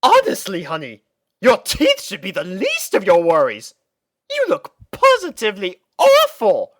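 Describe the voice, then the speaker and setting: A prim, genteel lady pony from a storybook cartoon, acted by a woman. The delivery is theatrical and fussy, lifted well up in pitch. Every phrase swoops like an elder sister making a drama. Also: huge pitch swings, a little slow. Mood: shocked, fussing.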